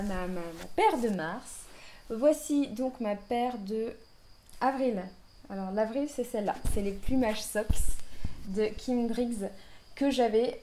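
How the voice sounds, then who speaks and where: A woman's voice: mid-range voice, darkish tone, slight background noise. A woman hosting a knitting podcast, talking casually with lots of fillers and restarts. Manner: hesitant, many fillers and restarts. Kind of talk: casual chat.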